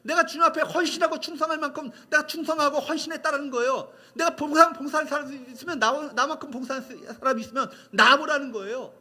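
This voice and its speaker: A man's voice: very high-pitched, fast, few pauses, sharp tone. A male pastor preaching a sermon, emphatic and repetitive, asking the congregation questions.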